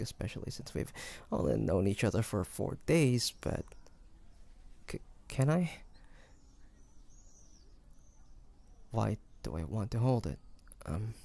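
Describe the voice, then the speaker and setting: Male actor as lovestruck awkward hunter, creaky voice, unhurried, stammering, muttering to himself, romantic audio drama. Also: lowish voice, a little mellow, exaggerated voice. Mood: shy, hesitant. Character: flustered young male demon hunter, secretly smitten and awkward. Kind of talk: romantic audio roleplay acting.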